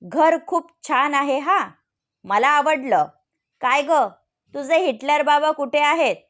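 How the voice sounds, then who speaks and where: A bold, cheeky college girl, as a woman reads her sits high in pitch. Her lines come out slow and breezy, playful rather than rushed. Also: a bit bright.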